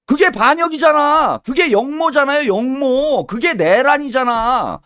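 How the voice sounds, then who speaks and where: A man's voice: extremely high pitch, animated, measured pace, pushed and bright, no room sound, clean studio sound. A man giving a solo political commentary, heated and scolding, with mocking insults and little acted-out dialogues. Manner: acts out little mock dialogues.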